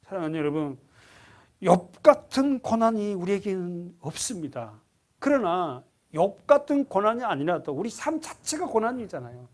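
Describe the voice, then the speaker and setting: A middle-aged man preaching a Sunday sermon in church, asking the congregation questions and having them underline verses, his voice rising to loud emphasis and dropping to near-whispers. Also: sits high, big pitch swings, normal speed. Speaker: pastor. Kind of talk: expository sermon. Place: church sanctuary.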